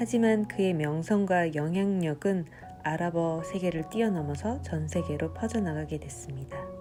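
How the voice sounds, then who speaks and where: A woman at a moderate pace over music in the background. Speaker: audiobook reader. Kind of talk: casual book introduction to camera. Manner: soft, ASMR-style.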